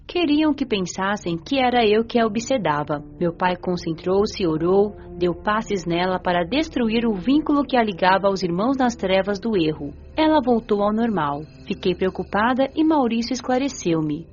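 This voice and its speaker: A woman playing a gentle, earnest young female spirit, narrating a dramatised audiobook in a measured, sincere way. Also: medium pitch, expressive, close to an everyday voice. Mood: earnest narration. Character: gentle, earnest nineteen-year-old female spirit narrating her afterlife. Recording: dull lo-fi audio with music.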